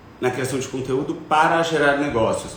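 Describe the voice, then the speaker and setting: With audible room echo, a man speaks at a fairly high pitch, keeping his intonation fairly even. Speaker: fashion content creator and teacher. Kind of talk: live online class. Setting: live stream. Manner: fast.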